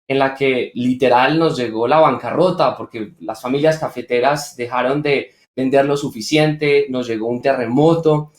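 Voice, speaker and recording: A young man from Colombia's coffee region with a Colombian accent, answering interview questions with stories as a guest on a video call. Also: fairly high pitch. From Coffee Axis region, Colombia. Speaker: award-winning social entrepreneur, guest. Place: indoors on a remote video call. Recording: roomy echo on a video call.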